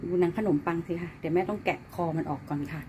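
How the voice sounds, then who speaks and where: A woman's voice: fairly low pitch, fast talker, heavy background noise. A woman at home filming her pets on a phone, chatting casually and talking to the animals in a cooing, baby-talk way. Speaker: pet-owner vlogger.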